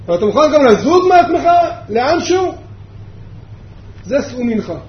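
A man's voice: very high-pitched, very animated. A man teaching a yeshiva class a Torah lesson, asking his listeners rhetorical questions and repeating his main points. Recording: echoey room, dull sound, faint background hum.

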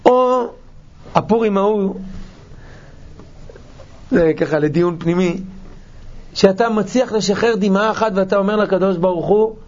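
A man's voice: sits high, long pauses, a little mellow. A man giving a passionate, emotional sermon, mixing in wry humor. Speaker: preacher. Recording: dull lo-fi recording.

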